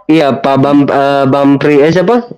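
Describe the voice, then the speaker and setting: A man from Sabah in Malaysia, chatting as a guest in an easygoing, halting way. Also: medium pitch, fairly even intonation, a little mellow, lo-fi sound. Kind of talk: casual video call chat.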